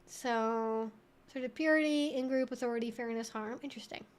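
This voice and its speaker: A young woman hosting a casual question-and-answer livestream, talking informally and thinking out loud. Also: fairly high pitch, moderate pace. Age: 20s to 30s.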